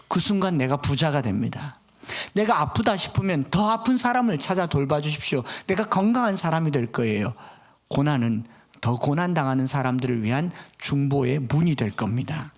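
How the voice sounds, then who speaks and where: A man's voice: fairly high pitch, lively intonation, brisk. A middle-aged man preaching a sermon as pastor, earnestly voicing God's questions with rising force.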